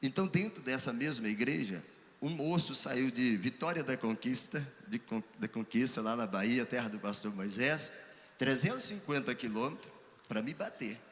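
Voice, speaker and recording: A man, a pastor telling his story on a ministers' panel, acting out the dialogue with lively energy. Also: medium pitch, normal speed. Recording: hall reverb, faint background ambience.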